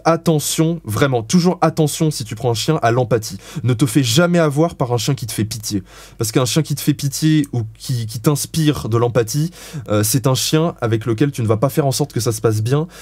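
A man's voice: medium pitch, darkish tone, no room sound. A man giving dog-training advice as an interview guest, explaining in a frank, blunt way with casual swearing.

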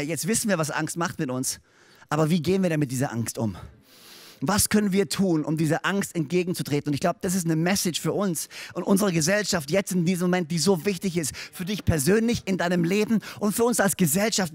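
A middle-aged man, preaching a sermon in an animated storytelling manner and often checking in with his listeners. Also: high voice, no room sound. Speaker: pastor.

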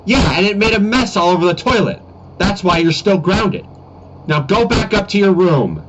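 A man's voice: high voice, very animated, moderate pace. Man playing a stern cartoon dad, muffled mic. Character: stern, easily exasperated father. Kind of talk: amateur comedy animation voice-over. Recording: muffled, noisy cheap webcam mic.

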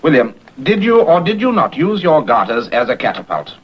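A man's voice: fairly high pitch, big pitch swings, moderate pace, husky. An actor playing a stern, middle-aged father who scolds in pompous, wordy phrases, in 1940s British film style. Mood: scolding. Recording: muffled 1940s film soundtrack.

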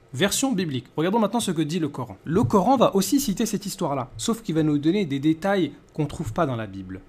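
A man's voice: a little high, darkish tone, husky. A man in his thirties giving a conversational rebuttal as a video host, with mocking, rhetorical questioning. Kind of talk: conversational rebuttal commentary to camera.

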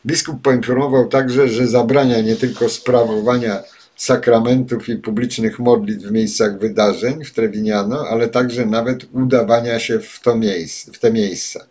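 An older man giving spoken commentary and reading passages aloud, pausing often with filler sounds, recorded at a desk webcam in a home study. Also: medium pitch, fairly even intonation, a little mellow. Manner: halting, many filler sounds. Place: home study with bookshelves, indoors.

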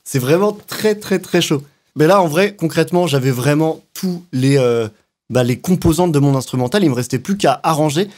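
A man giving a relaxed, slangy walkthrough of how he built a beat, now and then mouthing sounds and rhythms. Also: a little high, moderate pace. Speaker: music producer. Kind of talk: casual beatmaking walkthrough. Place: home studio.

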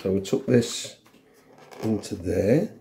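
A middle-aged man giving a casual hands-on tutorial, halting and thinking aloud as he works in a room at home. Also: fairly low pitch, lively intonation, vocal fry, mellow, slight background noise. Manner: halting, unscripted, thinking aloud while working. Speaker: vlogger demonstrating a helmet intercom fitting.

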